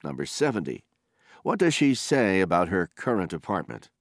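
A man narrates a listening exam in a lowish voice. He reads instructions and numbered questions formally and deliberately, with strongly swooping intonation, recorded very dry. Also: very animated, no echo. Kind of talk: scripted test instructions.

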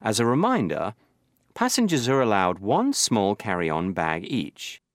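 Man acting as formal airport gate announcer, lively pitch. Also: unhurried, dry recording, clean studio sound, full character voice. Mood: formal, instructive. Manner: formal, clearly addressing passengers. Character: male airline gate agent making boarding announcement.

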